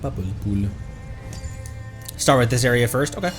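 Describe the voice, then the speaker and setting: Over soft music, a man speaks at an ordinary pace in a medium pitch. A video game streamer, he keeps up casual, playful commentary during his livestream, reading on-screen game text aloud, swearing, goofing around and making silly little noises.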